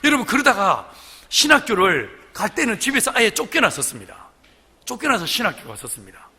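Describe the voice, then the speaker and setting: Animated high-voiced preacher in reverberant church. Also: male voice, brisk. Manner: animated, storytelling with voiced quotes and laughter. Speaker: guest pastor. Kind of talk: revival sermon. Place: church sanctuary. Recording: long hall reverb in church.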